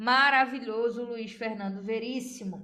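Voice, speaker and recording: Audible room echo surrounds a woman with a bright, sharp tone and a Pará accent. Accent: Pará accent, noticeable. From northern Brazil, Belém do Pará. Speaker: Portuguese language teacher. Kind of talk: lecture. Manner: casual, conversational with frequent 'né?'.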